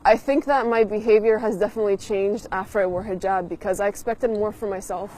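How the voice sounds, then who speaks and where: A young woman speaks plainly and matter-of-factly. Her pitch sits in the middle range. A faint noise runs underneath. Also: steady tone, brisk, darkish tone, poor audio. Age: young adult. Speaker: university student interviewee.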